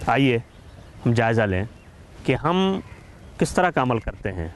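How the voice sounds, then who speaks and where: A man telling a moral story and then explaining its lesson in a measured, explanatory way, addressing listeners as friends. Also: mid-range voice, big pitch swings, slight background noise.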